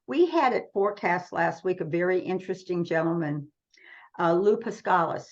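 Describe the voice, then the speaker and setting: An American woman in middle age talks conversationally as an interview guest. Her voice sits on the low side with noticeable fry, and she explains her points earnestly. The recording is somewhat muffled. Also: animated, normal speed, a little mellow. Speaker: radio trade magazine publisher, interview guest.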